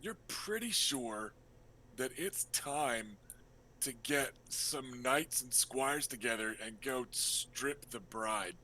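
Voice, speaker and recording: A man working as game master, narrating a tabletop role-playing game in a casual, halting, improvised way. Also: mid-range voice, lively intonation, sharp tone, poor audio.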